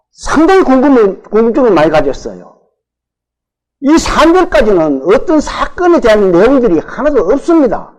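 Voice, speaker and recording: A male pastor with a Gyeongsang Korean accent delivers a sermon in a high-pitched voice that swoops up and down. He poses questions to the congregation and answers them himself, drawing out the words he stresses. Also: darkish tone, low-quality recording.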